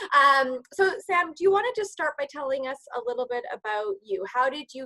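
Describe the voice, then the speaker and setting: A woman's raised, projected voice with a bright, sharp tone and very wide pitch swings, dry and close with no echo. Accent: Canadian. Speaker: business show host. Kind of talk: interview.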